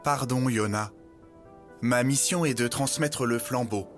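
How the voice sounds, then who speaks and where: A man playing a polite robot guide in an audio documentary drama, speaking in a measured, formal way over music. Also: mid-range voice, close to an everyday voice. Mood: solemn, earnest. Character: polite, earnest male robot guide recounting humanity's end. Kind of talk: scripted documentary fiction narration. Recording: music bed behind the voice.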